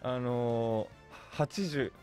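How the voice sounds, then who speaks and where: A man's voice: mid-range voice, very slow, darkish tone, soft background music. A man talking casually as a radio guest, earnest, feeling his way through his phrases. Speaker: guest voice and stage actor. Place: radio studio, masked at a table. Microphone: studio boom microphone.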